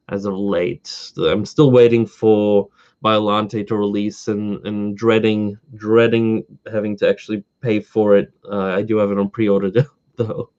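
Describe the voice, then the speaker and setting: A man hosting a casual live stream, slightly hoarse from talking all day, rambling eagerly as he answers viewers. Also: lowish voice, darkish tone, dull audio. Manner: rambling, eager collector fan.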